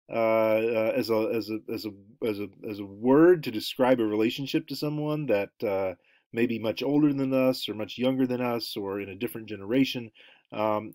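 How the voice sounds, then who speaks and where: A man's voice: medium pitch, darkish tone, no room sound. Middle-aged guy teaching anthropology online, lots of ums, dry close sound at a home computer. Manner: rambling, many ums and uhs. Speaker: anthropology lecturer. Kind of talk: recorded online lecture over slides. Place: home room, indoors.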